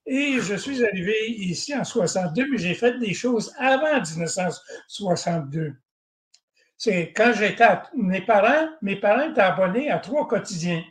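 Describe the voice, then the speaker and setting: Older man, high voice, roomy echo. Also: expressive, normal speed. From Northern Ontario, Canada. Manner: frequent throat-clearing, digressive. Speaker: guest. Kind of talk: rambling personal recollection. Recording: roomy echoey sound.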